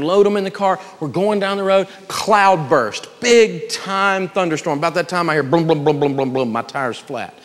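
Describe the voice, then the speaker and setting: A man's voice: a little high, long reverb tail. A man teaching a live financial seminar, telling folksy stories and acting out the people he quotes.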